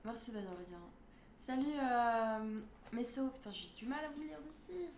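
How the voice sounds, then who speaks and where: A woman's voice: a little high, normal speed. Woman, 20s, from France, laid-back streamer, echoey room with light noise. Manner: relaxed, swears casually, thanks viewers. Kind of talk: casual chat with live chat. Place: small room indoors. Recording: echoey room, faint hiss.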